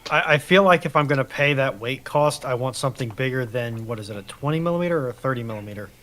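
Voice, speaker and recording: A man giving unscripted technical explanations in a measured, halting way, as a panellist on a live stream. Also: medium pitch, a bit bright.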